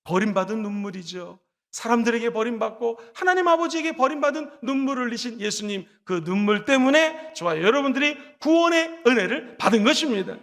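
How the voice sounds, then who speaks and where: A man's voice: extremely high pitch, expressive, brisk, fairly bright tone. A man preaching a sermon as pastor, with impassioned delivery that rises into calls of blessing. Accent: Korean. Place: church sanctuary. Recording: echoey church hall.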